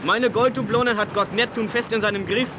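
Male actor as friendly fisher boy, high clear voice, bit of a smile, old radio play w/ heavy noise behind. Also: steady tone, a little fast, close to an everyday voice. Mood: storytelling, mysterious. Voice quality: bright, clear young voice. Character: friendly bright young fisher boy, treasure seeker. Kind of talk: German children's radio play acting.

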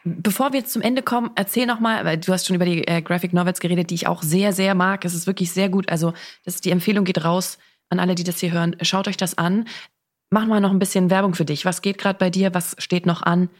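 A woman's voice: on the low side, fairly even intonation, quick pace. A woman hosting a podcast in casual, informal and appreciative chat. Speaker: podcast host.

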